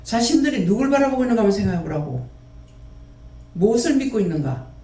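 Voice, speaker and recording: Scolding preacher in an echoey hall. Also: male voice, high-pitched, sing-song, quick pace, dark tone. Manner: scolding, with many rhetorical questions. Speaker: prayer house director and preacher. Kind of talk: sermon. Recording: roomy echo, mic at a distance.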